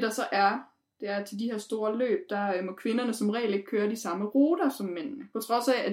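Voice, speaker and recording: A woman host presenting a podcast segment from notes, with the odd filler. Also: medium pitch. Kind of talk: scripted presenting.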